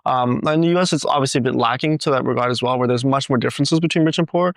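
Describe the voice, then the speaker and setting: A young man from the Netherlands, a student guest in a casual interview, talking quickly with many fillers. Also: mid-range voice, no room sound, clean studio sound. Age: young adult.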